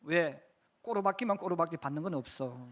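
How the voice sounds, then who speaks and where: A man's voice: a little high, lively intonation, a little fast, a bit bright. A male pastor preaching a sermon in a church, telling a Bible story and acting out its dialogue, with rhetorical questions to the congregation. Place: church sanctuary.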